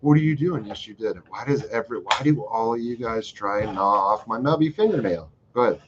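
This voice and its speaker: A man's voice: fairly low pitch, expressive, brisk, muffled recording, background noise. A man hosting a casual live chat, answering viewer questions in a rambling, profane way with lots of fillers. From Florida. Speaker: host.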